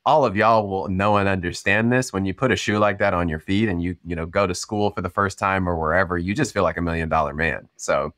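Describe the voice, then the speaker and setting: A man born in Cameroon, a startup founder, talking through his story in a relaxed, chatty way with lots of ums and you-knows. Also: sits low, brisk, hardly any pauses, dry recording, studio quality. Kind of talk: casual storytelling interview.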